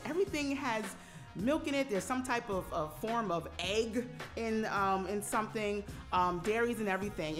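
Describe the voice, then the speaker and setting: A woman's voice: medium pitch, a bit bright. Forties woman chatting on her radio show, lots of ums, easygoing, bit of music under her. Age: 40s. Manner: chatty, laughs easily, many fillers. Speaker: radio host. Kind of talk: casual radio talk. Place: radio studio. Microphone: studio microphone.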